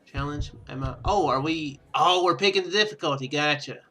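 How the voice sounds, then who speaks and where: A man giving casual let's-play commentary, rambling and thinking out loud as he plays. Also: on the high side, moderate pace. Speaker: gaming video host. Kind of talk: casual let's-play commentary, reading game text aloud.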